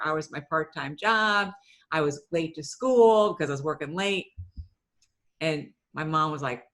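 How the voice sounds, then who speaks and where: A woman's voice: on the low side, fairly bright tone. A middle-aged woman from Ohio, a marketing business owner, telling stories in a chatty way as a guest in an interview and often repeating a word as she restarts. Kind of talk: conversational storytelling interview.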